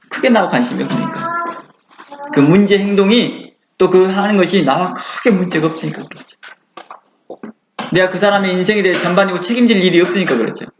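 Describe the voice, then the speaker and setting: A man preaching a sermon as a pastor, in an earnest, conversational way and with many rhetorical questions. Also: high-pitched. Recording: echoey room, dull lo-fi sound with faint noise.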